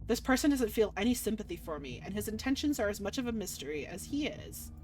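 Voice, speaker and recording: Expressive woman streaming a visual novel. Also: medium pitch, fast, soft background music, poor audio. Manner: expressive, reactive. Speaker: game streamer. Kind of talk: dramatic visual novel reading with casual commentary.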